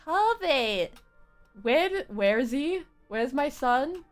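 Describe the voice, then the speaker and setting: A woman's voice: sits high, sing-song, slow. A woman chatting casually as she live-streams a video game, rambling and often restarting her phrases. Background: game music.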